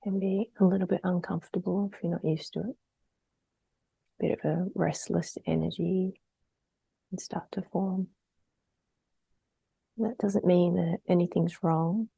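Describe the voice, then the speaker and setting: A woman leading a guided meditation in a soft, breathy, gentle voice, unhurried and trailing towards a whisper between long pauses. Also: lowish voice, fairly even intonation, dry recording, rough recording.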